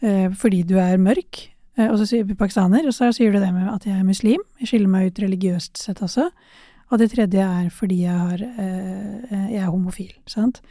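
Woman podcast host, reflective and searching, mellow tone, dry close sound. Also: medium pitch, no room sound. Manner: thoughtful, searching phrasing. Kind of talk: empathetic interview conversation.

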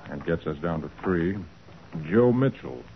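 A confident master detective from a 1940s radio crime drama. His low voice moves with lively swings as he reasons with authority. It comes through a narrow, muffled old broadcast recording. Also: a little slow, creaky, a little hiss or hum, full character voice. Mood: methodical. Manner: deductive, authoritative. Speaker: lead actor in detective drama.

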